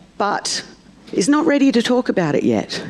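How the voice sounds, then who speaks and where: With an Australian accent and vocal fry, a woman speaks at a moderate pace. Her pitch swings very widely. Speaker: allied health clinician and session facilitator. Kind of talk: conference presentation. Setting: conference room with live audience. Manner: casual.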